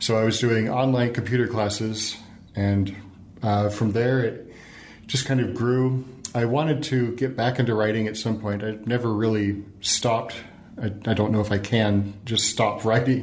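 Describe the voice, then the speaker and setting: A man's medium-pitched voice with an American accent, monotone and flat, at very even loudness and a moderate pace, amid audible room echo. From Idaho, US. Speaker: programmer and author. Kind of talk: interview.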